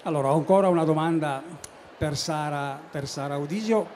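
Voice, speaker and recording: Middle-aged male interviewer, mellow tone. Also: fairly high pitch, fairly quick, a little hiss or hum. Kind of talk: interview questions. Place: expo booth studio, indoors. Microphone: handheld mic.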